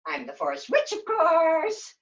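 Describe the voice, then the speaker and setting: A woman's voice: extremely high pitch, huge pitch swings, a little slow, muffled recording, voice pushed up, full character voice. A woman voicing an imperious, insistent forest witch in a puppet show, commanding in manner. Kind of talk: puppet show character acting.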